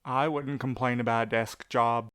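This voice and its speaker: A man's voice: mid-range voice, fairly even intonation, moderate pace, fairly bright tone, clean tone, no room sound, studio quality, lightly acted. A man playing a playful, teasing, dramatically squeamish courier in an audio drama. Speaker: voice actor.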